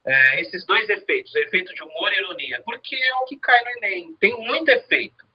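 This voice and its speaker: A man's voice: high-pitched, lively intonation, a little fast, breathy edge, highs cut off. A man teaching a casual review lesson, chatty, often checking in with "né?". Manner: chatty, repeats words and asks "né?".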